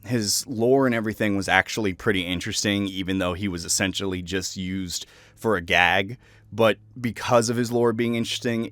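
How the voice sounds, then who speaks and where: A man's voice: on the low side, a bit bright, no room sound. A young adult man, a voice actor, talking casually and reflectively about his work. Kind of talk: casual reflective commentary on own roles.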